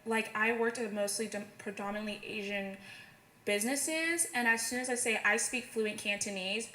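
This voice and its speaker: A young woman in a casual panel discussion, talking quickly with fillers. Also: mid-range voice, bright, forceful tone, roomy sound, slight background noise. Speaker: panel guest.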